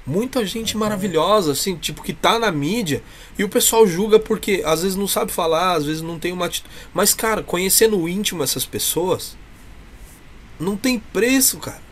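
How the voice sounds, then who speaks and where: A man's voice: high-pitched, expressive, normal speed, slight background noise. A man with a Brazilian accent chatting casually and effusively as an interview guest. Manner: effusive, talkative. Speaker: interview guest, clown performer. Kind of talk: casual chat. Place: indoors, small room with cloth backdrop.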